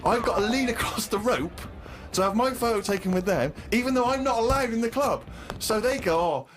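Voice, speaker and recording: A man co-hosting a radio show, telling a comic story in an animated, exasperated way. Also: extremely high pitch, fairly quick, music in the background. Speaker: radio co-host.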